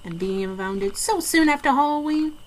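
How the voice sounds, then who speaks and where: A woman's voice: high-pitched, lively intonation, a little fast, a little hiss or hum, low-quality recording. A woman playing a sarcastic, dryly spoken character lost in the woods in a scripted horror-show skit, grudging but game. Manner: dry, sarcastic.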